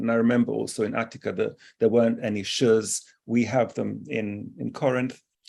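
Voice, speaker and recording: Vocal fry marks a man's medium-pitched voice, delivered with monotone, flat intonation. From Greece. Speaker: panel guest, speaker of a minority language. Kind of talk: panel discussion. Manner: halting, many repetitions.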